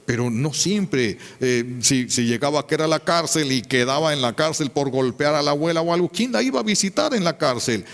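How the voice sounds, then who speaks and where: A priest preaching a sermon with emphatic, fervent delivery. His voice sits fairly high for a man. It echoes with a long reverb in a church. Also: brisk, hardly any pauses.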